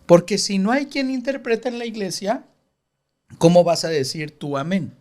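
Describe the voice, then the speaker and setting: Guy hosting a church podcast, higher voice, explains the bible earnestly, tells stories. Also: moderate pace, darkish tone. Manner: earnest, preacher-like explaining with scripture quotes. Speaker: podcast host. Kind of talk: casual chat explaining scripture.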